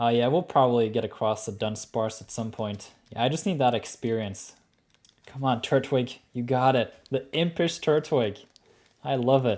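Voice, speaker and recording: This man talks at a medium pitch with ordinary pitch variation. His pace is moderate. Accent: Norwegian. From Norway. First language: Norwegian. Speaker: gaming livestreamer. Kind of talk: live gameplay commentary. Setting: livestream. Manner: casual, filler-heavy.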